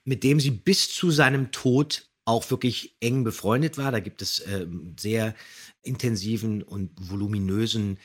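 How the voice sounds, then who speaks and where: A man's voice: on the low side, unhurried. A man hosting a podcast, chatting about an audio drama in a hesitant, searching way. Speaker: podcast host.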